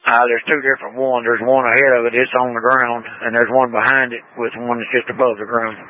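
A man's voice: mid-range voice, level tone, a little fast. A man, a storm spotter reporting over a two-way radio in terse, repetitive radio traffic. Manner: terse, repeats words while reporting. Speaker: storm spotter for county emergency services. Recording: narrow tinny radio channel.

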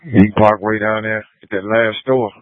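Low-voiced officer over police radio. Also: male voice, fairly even intonation, normal speed, no room sound. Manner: clipped radio codes, low-key and matter-of-fact. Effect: police radio transmission. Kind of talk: radio traffic with dispatch. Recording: tinny dry police radio.

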